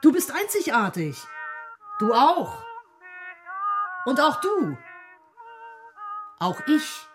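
An actress playing a torn, brooding and defiant inner voice in a literary radio play, speaking in deliberate, emphatic short phrases. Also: female voice, high voice, very animated, full character voice. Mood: brooding, insistent. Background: prominent music.

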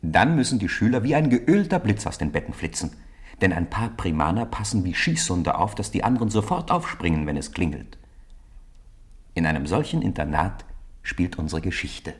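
A man narrating a German children's radio play as an expressive, deliberate storyteller. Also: low-pitched.

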